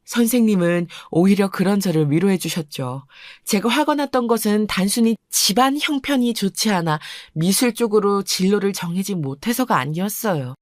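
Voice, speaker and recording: A woman telling a first-person life story in calm, confiding scripted narration. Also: medium pitch, moderate pace, no echo, studio quality.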